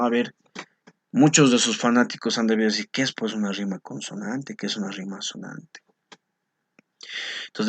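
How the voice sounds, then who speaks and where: A man's voice: lowish voice, slightly rough. A male teacher explaining poetry to his class, often checking in with short tag questions. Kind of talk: recorded class lesson on poetry.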